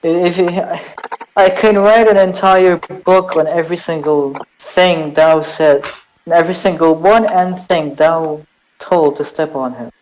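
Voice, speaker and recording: A woman's voice: low voice, fairly even intonation, measured pace, darkish tone. A woman bantering casually with friends in a teasing manner. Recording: clearly noisy background.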